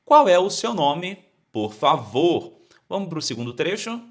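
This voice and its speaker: A Brazilian man with a Brazilian Portuguese accent who teaches English, repeating phrases slowly for learners to copy. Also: fairly high pitch, sing-song. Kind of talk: explaining an English lesson.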